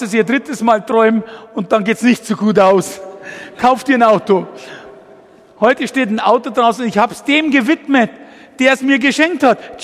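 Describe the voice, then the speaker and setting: A guest preacher in his sixties with a very high, gravelly voice delivers an energetic testimony sermon. He addresses the congregation directly as "du" and wanders off on tangents, his voice ringing out with long church reverb.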